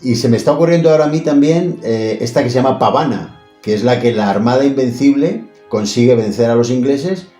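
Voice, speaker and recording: A man's voice: medium pitch, animated, fairly quick, few pauses, warm tone, echoey room, faint music behind. A man hosting a casual chat about books, asking questions and thinking aloud. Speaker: host.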